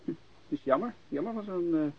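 An actor playing a hesitant, wistful male eyewitness in a radio drama, speaking in halting, stammered phrases. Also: fairly high pitch, animated, a little hiss or hum. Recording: dull radio drama recording.

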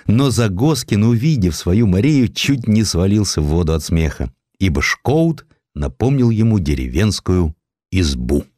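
A man narrating a historical story in an expressive, theatrical literary style. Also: deep voice, measured pace, no room sound, studio quality. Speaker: narrator, audiobook reader.

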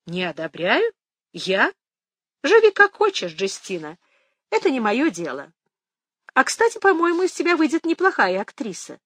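A wry, sharp-tongued old grandmother, voiced by a woman reading an audiobook. She teases with a lively, swooping pitch and an ironic edge. The sound is close and dry. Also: moderate pace, long pauses, slightly rough, no echo, full character voice. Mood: teasing. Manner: ironic, teasing.

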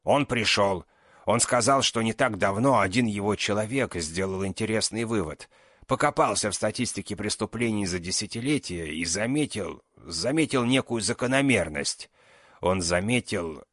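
A man's voice: on the low side, expressive, moderate pace, a bit bright, no echo, studio quality, voice pushed up. A man voicing a desperate aging magister who pleads with his former pupil. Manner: pleading, rising to outbursts.

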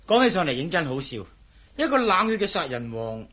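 A man playing a sly, smug intelligence chief in a Cantonese radio play, drawling slowly and laughing mockingly. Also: on the high side, big pitch swings, bright, forceful tone, exaggerated voice. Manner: slow, drawn-out, smug delivery with mocking laughs.

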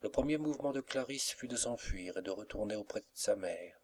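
A man with a fairly low voice narrates a classic tale for an audiobook. His storytelling is measured and even. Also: husky. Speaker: volunteer audiobook reader.

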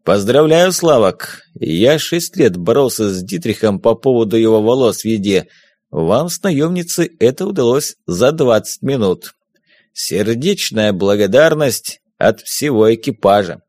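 Read by a man, a jovial middle-aged smuggler captain who teases and confides with easy confidence. His voice rises and falls in lively swings, and the reading is dry and close, with no room sound. It is an audiobook character in a spaceship tale. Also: medium pitch, a little slow, dry recording. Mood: cheerful. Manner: teasing, confident.

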